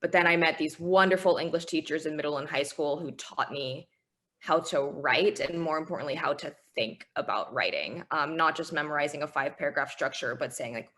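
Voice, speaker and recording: Woman, twenties, Chinese first language, deep-pitched, thoughtful guest. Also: fairly quick, a bit bright. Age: 20s. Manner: earnest, reflective, with small laughs. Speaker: guest author. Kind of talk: interview conversation.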